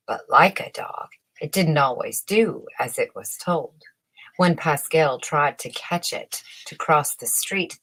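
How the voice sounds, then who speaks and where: A woman reading a children's story aloud as an expressive storyteller, pausing between short phrases. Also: low-pitched, rough recording. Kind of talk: storybook narration.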